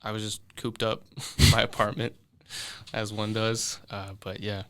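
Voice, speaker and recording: Guest, 20s man from London, crisp and very clear, easygoing, searches for words. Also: on the low side, unhurried. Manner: relaxed, hesitant, many fillers and restarts. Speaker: guest musician. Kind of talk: casual interview answers. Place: studio.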